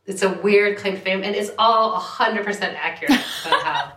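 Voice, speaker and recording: An American journalist in her forties, a guest in a casual interview in London, chats about growing up with laughing, self-deprecating asides. Her medium-pitched voice is a bit bright and a little fast, and the sound is roomy.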